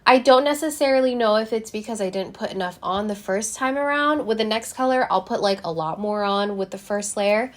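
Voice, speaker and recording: A woman's voice: medium pitch, fairly quick, few pauses. Young woman, beauty vlogger, chatty, slightly congested, close camera mic, small room. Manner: chatty, talks to viewers while applying lipstick. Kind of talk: casual product review.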